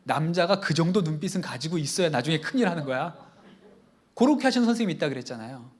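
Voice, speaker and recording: Middle-aged pastor guy preaching, animated storyteller, voice sits a bit high. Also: fast. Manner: lively storytelling, acts out dialogue. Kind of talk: Friday evening sermon with acted-out quotes.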